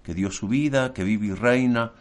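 A man speaking as a Catholic priest, giving a homily and leading liturgical prayer in solemn, measured phrases. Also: mid-range voice.

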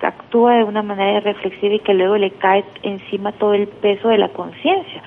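A woman's voice: medium pitch, a little fast. A woman from Ecuador giving conversational interview answers, talkative and repeating words as she searches for phrasing. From Guayaquil, Ecuador. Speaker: interview guest, journalist. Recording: tinny phone-like line, faint noise.

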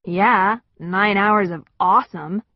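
A woman's voice: mid-range voice, takes it slowly, no room sound, dull audio. A woman voicing a friendly, easygoing teenage boy with a breezy manner.

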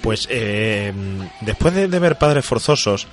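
A man's voice: mid-range voice, expressive, takes it slowly, soft background music. A man hosting a conversational interview. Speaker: interviewer, radio host.

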